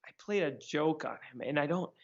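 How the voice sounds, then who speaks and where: A man telling stories in a casual interview, acting out what people said in a higher voice. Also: brisk. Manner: animated, acts out quotes in a higher voice. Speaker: magician guest. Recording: dull lo-fi sound.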